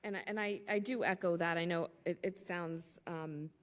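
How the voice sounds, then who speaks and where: Echoey woman moderator, lowish voice. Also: steady tone, moderate pace, noisy background. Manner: informal, repeats words, joking. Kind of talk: introducing speakers at a symposium. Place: large conference hall. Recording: echoey conference hall.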